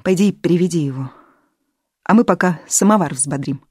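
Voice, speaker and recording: A woman's voice: fairly low pitch, normal speed, dark tone, slightly rough, dry recording. A woman voicing a curt, dry-witted woman writer in an audiobook. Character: brisk, sharp-tongued woman, writer.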